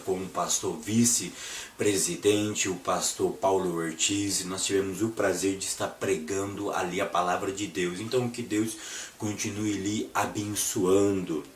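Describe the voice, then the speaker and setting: A low-voiced Brazilian man speaks with the hoarse, congested sound of a flu and a swollen throat. He teaches a Bible lesson didactically, repeating phrases and asking rhetorical questions. He is picked up from a distance in an echoey room. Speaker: Bible school teacher and preacher. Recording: echoey room, distant mic, faint noise.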